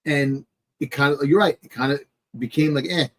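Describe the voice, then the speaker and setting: A man co-hosting a casual sports discussion, speaking haltingly as he gropes for words. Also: on the high side. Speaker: wrestling podcast co-host.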